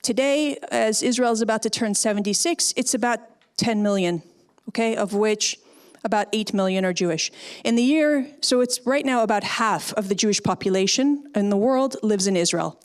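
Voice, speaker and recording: A woman's voice: mid-range voice, moderate pace, clean tone. A middle-aged woman from Canada, a former speechwriter, giving an emphatic, persuasive talk and answering audience questions. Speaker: guest speaker, former speechwriter.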